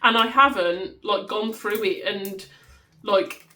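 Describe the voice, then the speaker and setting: A woman in her thirties with a Black Country accent talks loudly and casually at her home desk, rambling as she counts notes into envelopes. Her pitch sits in an ordinary middle range. A faint hiss lies under the recording. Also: takes it slowly, rough recording. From West Midlands, England. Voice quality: loud voice. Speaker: budgeting vlogger. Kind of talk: casual chat while counting cash.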